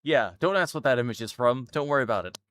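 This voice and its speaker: A man's voice: medium pitch, lively intonation, fast, a bit bright, dry recording, studio quality. A man chatting casually as he reacts to a video with friends. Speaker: reaction stream participant.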